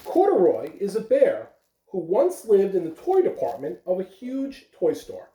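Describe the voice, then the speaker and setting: A woman giving school morning announcements and reading a picture book aloud to young listeners, in a gentle storytelling way. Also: mid-range voice, huge pitch swings, a little slow, reverberant, recorded from a distance, rough recording. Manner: gentle storytelling, coaxing a child to look.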